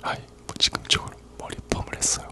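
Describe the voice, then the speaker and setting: A person whispering a casual, rambling ASMR chat in a soft, unvoiced whisper. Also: fast talker. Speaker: ASMR video creator.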